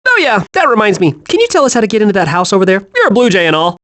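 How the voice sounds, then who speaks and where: Hyperactive young male squirrel, game animation: very high, swooping, wide-eyed and childlike. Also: rapid-fire. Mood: cheerful, naive. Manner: excitable, naive, wide-eyed. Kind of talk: animated video game voice acting.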